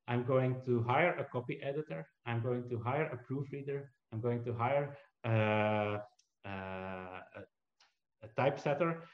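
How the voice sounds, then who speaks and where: Halting man with Dutch roots. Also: medium pitch. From Belgium. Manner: halting, frequent restarts, self-deprecating humor. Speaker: entrepreneur and author, interview guest. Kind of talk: conversational interview answer. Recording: roomy, slightly dull recording.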